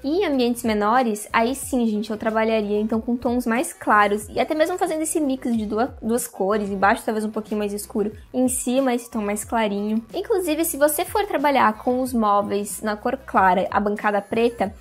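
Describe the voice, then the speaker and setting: A woman's voice: fairly high pitch, moderate pace, few pauses, soft background music. A young woman hosting an interior design video, talking casually to the camera on a lapel mic in a room, with lots of hand gestures. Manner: chatty, animated hand gestures, addresses viewers directly. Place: indoor room with curtains and plants.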